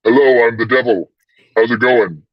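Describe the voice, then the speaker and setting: A man's voice: medium pitch, no echo, lo-fi sound, voice pushed down. A man using a voice changer to play a smug male devil arguing as devil's advocate, speaking in a morphed, mock-sinister voice. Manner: mock-sinister, jokey, slow drawl.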